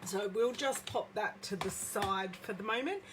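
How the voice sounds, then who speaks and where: An Australian woman with a slight croak in her voice, chatting casually with viewers during a live craft demonstration at home. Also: medium pitch, a little slow, background noise. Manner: chatty, greets viewers by name. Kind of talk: casual live-stream craft demo chat. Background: movie playing in background.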